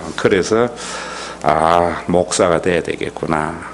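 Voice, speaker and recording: Speaking at a very slow pace with ordinary pitch variation, a man is heard amid audible room echo and noticeable background noise. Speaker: pastor. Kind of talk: lecture.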